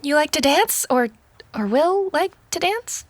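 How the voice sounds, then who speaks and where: A woman's voice: sits high, lively intonation, a little slow, no room sound. A woman playing a skeptical, sarcastic sixteen-year-old girl in an audio drama, with a wry, incredulous manner and stammers.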